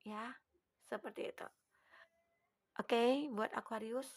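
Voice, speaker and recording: A woman giving a collective tarot reading, gently advising and speaking straight to the listener. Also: fairly high pitch, fairly even intonation, slow, breathy edge. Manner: acts out the listener's own words. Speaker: tarot reader.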